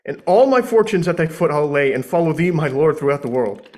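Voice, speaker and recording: Man playing a lovestruck, high-voiced young Juliet. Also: lively intonation, brisk, darkish tone, natural voice. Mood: urgent, loving. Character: young woman Juliet, lovestruck, earnest, impulsive. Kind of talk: live amateur Shakespeare reading.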